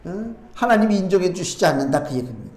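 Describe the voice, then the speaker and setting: A middle-aged man with a high, light voice preaches to his congregation. He talks in a chatty, questioning way, answering his own rhetorical questions. The sound rings around an echoey church room. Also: animated, racing, darkish tone. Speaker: pastor. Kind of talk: sermon. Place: church sanctuary.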